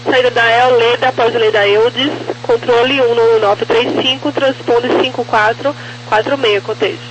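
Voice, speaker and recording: A woman's voice: fairly high pitch, steady tone, normal speed, lo-fi sound, noisy background. Female controller on aviation radio. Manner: terse, procedural. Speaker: air traffic controller. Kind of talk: clipped radio clearances.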